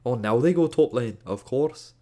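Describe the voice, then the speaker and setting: Reviewing a game in casual commentary, a man from Wales with a Welsh accent tinged by Scottish speaks at a moderate pace in a mid-range, expressive, dark-toned voice. As an esports caster he's exasperated and joking, with slangy side remarks.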